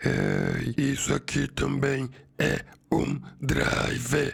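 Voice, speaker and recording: At a very slow pace, a man talks. His voice is a put-on, raspy character voice. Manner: instructional demonstration.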